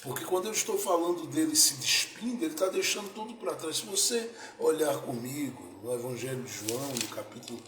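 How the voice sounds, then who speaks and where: A male pastor preaching a sermon, moving between soft lines and loud, dramatic ones. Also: on the high side, fairly quick, hardly any pauses, slight background noise. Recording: echoey room with faint ambience.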